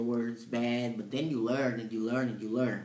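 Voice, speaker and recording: A man talks at a moderate pace in a medium pitch. Room echo can be heard. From Portugal. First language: Portuguese. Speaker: language learning vlogger. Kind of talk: casual vlog monologue. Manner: hesitant, many fillers.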